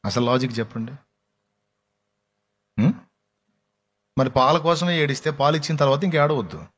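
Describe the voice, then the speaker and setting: A man preaching a sermon with passion, moving between hushed, tender speech and heartfelt pleading, with a Telugu accent. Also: mid-range voice, lively intonation, moderate pace, slightly rough. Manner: impassioned preaching that breaks into song, soft and hushed at times. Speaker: pastor. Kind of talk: sermon with sung worship.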